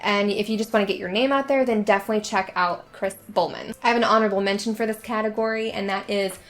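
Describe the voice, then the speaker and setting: A woman in her twenties with a slightly raspy voice, just getting over being sick, chatting upbeat to her viewers in a sponsored video about writing. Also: mid-range voice, steady tone, a bit bright. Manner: upbeat, chatty, quick asides. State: recovering from illness. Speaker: writing YouTuber. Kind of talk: sponsored video talk to camera.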